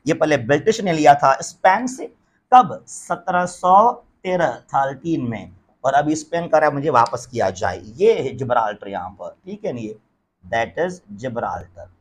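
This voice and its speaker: A man giving a geography lecture at a map, asking himself questions and answering them, and slowing down for English terms. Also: mid-range voice, lively intonation, slightly rough. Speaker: teacher.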